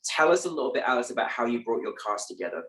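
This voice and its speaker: A man's voice: mid-range voice, very animated, racing, a bit bright. A man hosts the interview, effusive and gushing, his sentences tumbling through restarts and fillers. He sits back from the mic in an echoey room, and his voice carries a roomy ring. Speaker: interview host. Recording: roomy echo, distant from the mic.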